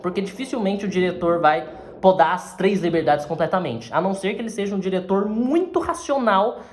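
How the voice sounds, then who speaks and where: Brazilian male actor-teacher, relaxed explainer, keeps checking in with tag questions. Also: high voice, brisk, a little hiss or hum. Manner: conversational, often ends phrases with tag questions. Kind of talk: casual explanatory lesson.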